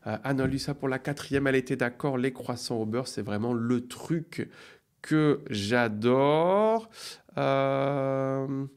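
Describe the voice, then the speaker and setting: A middle-aged man leads a live online grammar lesson from a small room at his desk webcam. He speaks in an unhurried, deliberate way, stretching out each example sentence. His pitch sits in a plain middle range, and he keeps up bright, encouraging praise. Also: clean tone. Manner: slow, deliberate, drawn-out delivery of example sentences; upbeat praise, playful sound effects. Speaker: French teacher.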